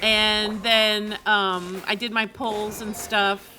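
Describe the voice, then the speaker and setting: A woman's voice: medium pitch, level tone, slow, poor audio. A woman livestreamer chatting casually with her viewers while she plays a game.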